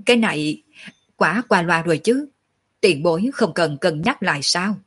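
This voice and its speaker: A woman's voice: lowish voice, expressive, moderate pace, fairly bright tone, breathy edge, no room sound, studio quality. A woman voicing a cautious young hero.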